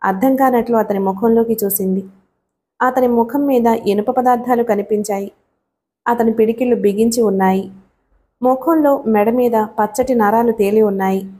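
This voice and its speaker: Mellow-voiced woman narrating a novel. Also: on the high side. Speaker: audiobook narrator.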